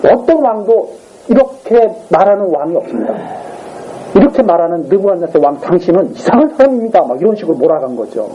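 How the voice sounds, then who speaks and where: A man's voice: sits high, animated, a little fast, dull audio, a crowd in the background. A man preaching a Sunday morning sermon as a pastor, telling the story with feeling and acting out the lines of the king and his advisers. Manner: asks the congregation for agreement. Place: church sanctuary.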